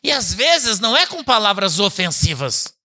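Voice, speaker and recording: Man, pastor, bright forceful voice, chatty church sermon, jumps between loud peaks and low asides. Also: very animated, normal speed. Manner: chatty, asks the congregation "né?" and calls them "irmão"; swings from loud emphatic bursts to low quiet asides. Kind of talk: conversational sermon. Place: church service.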